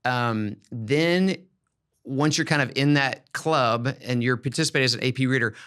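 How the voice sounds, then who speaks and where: A middle-aged American man talks as a podcast host to fellow educators. His delivery is conversational and upbeat, and he leans on key points for emphasis. His voice sits at an average pitch for a man. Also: normal speed, a bit bright, clear, resonant tone. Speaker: podcast host, former school principal.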